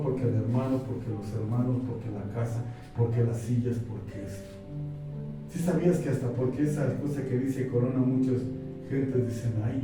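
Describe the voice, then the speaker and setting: A man from Mexico preaching a sermon, putting rhetorical questions to his congregation and quoting scripture. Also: medium pitch. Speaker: pastor. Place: church hall. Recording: echoey room, mic far off, faint music.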